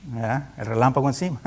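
A man with a husky, slightly breathy voice and a middle-pitched tone, teaching a sermon like a relaxed talk. He keeps asking his listeners rhetorical questions, checks in with them again and again, and chuckles as he goes. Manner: rhetorical questions with frequent tag questions; chuckles often while teaching. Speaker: preacher. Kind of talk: conversational Bible teaching.

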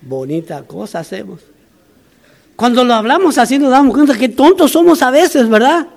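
High-voiced preaching man. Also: fairly quick. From Argentina. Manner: emphatic, repetitive, humorous asides. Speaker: pastor. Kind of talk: sermon.

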